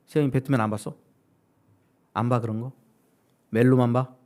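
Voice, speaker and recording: A male pastor preaching a sermon. He keeps putting questions to his congregation and acts out what other people say. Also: normal speed. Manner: animated, asks the congregation questions directly; acts out quoted voices with sudden high-pitched outbursts.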